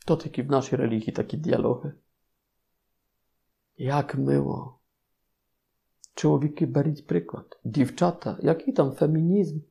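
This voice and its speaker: A man's voice: mid-range voice, measured pace, vocal fry, long pauses, warm tone. A man with a Polish accent, a Capuchin friar giving an informal sermon with playful, ironic asides to his listeners.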